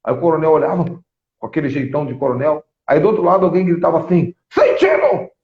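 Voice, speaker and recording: A man, apostle and host, telling stories in a lively live religious teaching talk. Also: fairly high pitch, fast talker. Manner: animated storytelling, many restarts. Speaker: apostle and prophet, show host. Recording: echoey, phone-like thin sound.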